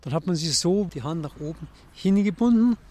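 A man's voice: a little high, animated, brisk, dark tone, no echo. An older man giving grave, plainspoken eyewitness testimony in an interview.

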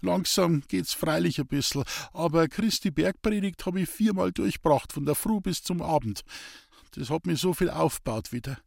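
A man reading aloud, voicing a gentle, pious, hoarse Bavarian woodsman. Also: fairly high pitch, animated, moderate pace, dry recording, clean studio sound, pitched above the performer's own voice. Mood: tender.

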